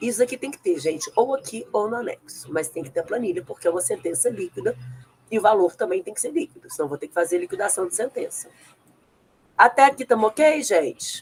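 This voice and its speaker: A woman with a fairly high voice and vocal fry talks at a fairly quick pace, her pitch swinging very widely. Her loudness shifts a lot, and the sound is dry and close with no echo. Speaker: law teacher. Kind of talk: online class tutorial.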